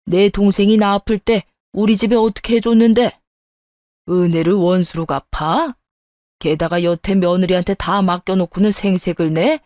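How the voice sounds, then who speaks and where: A woman's voice: medium pitch, normal speed, darkish tone, no room sound, lightly acted. A woman voicing a stern older father-in-law who scolds harshly, in a dry close recording. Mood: furious.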